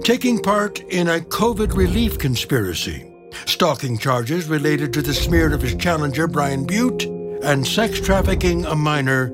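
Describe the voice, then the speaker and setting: A man's voice: a little high, expressive, unhurried. An American man narrating a true-crime documentary in a dramatic tabloid TV style, with a scripted delivery. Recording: music playing behind narration. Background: dramatic background music.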